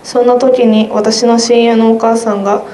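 Teenage girl, mellow high-ish voice, earnest reading, roomy echo, faint background noise. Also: level tone, moderate pace. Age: teens. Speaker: student guest. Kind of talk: reading a personal essay aloud.

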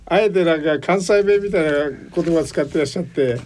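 A man's voice: a little high, a little fast, noisy background. A man hosting a radio interview, asking questions and nodding along with short replies. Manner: attentive, frequent short backchannels. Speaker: show host.

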